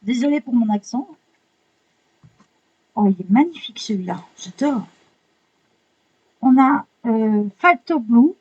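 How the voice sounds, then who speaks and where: A woman with a slightly husky, somewhat high voice chats through an unboxing. She is excitable, swears casually and keeps apologizing as she goes. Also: unhurried, pauses often, muffled recording. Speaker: vlogger unboxing art supplies.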